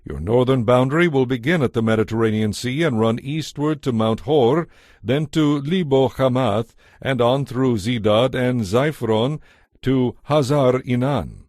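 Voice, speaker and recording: A man narrating dramatized scripture in a solemn, measured, authoritative manner. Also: medium pitch, a little mellow, no echo, clean studio sound. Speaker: audio Bible narrator. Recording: music under the voice. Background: music.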